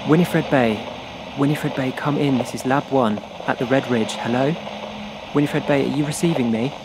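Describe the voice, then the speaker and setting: An earnest, gentle male scientist played by an actor in an audio drama set at a polar lab. His delivery is natural and unforced. There is clear noise behind the voice. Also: medium pitch, normal speed, close to an everyday voice. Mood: calling out.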